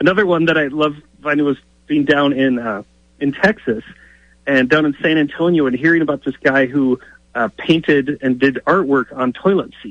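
A man with a fairly high voice speaks at a moderate pace with ordinary pitch variation. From Minnesota, US. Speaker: author. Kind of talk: radio interview. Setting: phone call.

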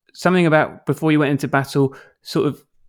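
Fairly quick speech in an unremarkable speaking voice. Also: man. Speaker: podcast host. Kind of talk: interview conversation.

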